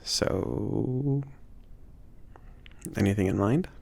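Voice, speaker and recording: A man playing a laid-back, gently teasing mage who runs a potion shop, speaking softly and hesitantly in an intimate ASMR roleplay, with a creaky, sometimes breathy voice. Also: fairly low pitch, drawn-out words, full character voice. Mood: casual, teasing. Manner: hesitant, murmured, reassuring, chuckling. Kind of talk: ASMR roleplay, intimate one-sided conversation.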